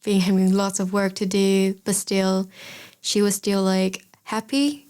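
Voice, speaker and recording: A woman's voice: mid-range voice, fairly even intonation, unhurried, darkish tone, clean tone. A woman hosting a casual podcast interview, chatty and encouraging, with non-native phrasing. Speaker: podcast host.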